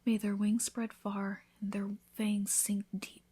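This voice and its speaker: Woman acting as loving vampire bride, soft breathy voice, frequent whispering, medium pitch, intimate, reassuring, ASMR romance roleplay. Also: level tone, takes it slowly. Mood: solemn. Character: tender, devoted newlywed vampire wife.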